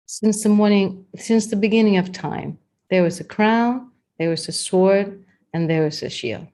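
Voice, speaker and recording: A woman with a Danish accent teaching body language in a chatty, unhurried workshop talk, with many fillers and restarts. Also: medium pitch, mellow. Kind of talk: live-streamed workshop talk.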